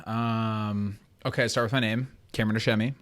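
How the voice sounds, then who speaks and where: A man's voice: fairly low pitch, steady tone, moderate pace, fairly bright tone. Easygoing man telling his story. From United States. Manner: easygoing storyteller, hesitant with fillers. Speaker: guest, CrossFit coach and athlete. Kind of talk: casual podcast interview.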